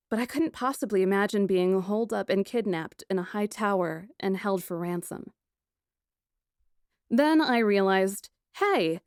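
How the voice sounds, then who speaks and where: A woman playing a plucky, sarcastic kidnapped young woman who narrates her ordeal in a first-person audiobook, wry and expressive. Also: mid-range voice, smooth, no echo, studio quality, close to an everyday voice.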